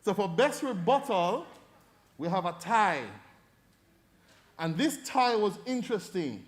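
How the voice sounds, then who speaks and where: A middle-aged Jamaican man giving feedback as a debate judge, animated and fond of demonstrating voices as he coaches. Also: sits high, slow pace. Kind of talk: feedback speech to an audience.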